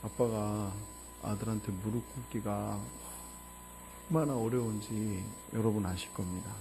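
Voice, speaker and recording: Male pastor, 40s, personal-story sermon; quiet intimate delivery with bursts of passion, faint background music. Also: steady tone, a little slow. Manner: emotional storytelling, mostly low and hushed, rising to loud fervor. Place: church sanctuary.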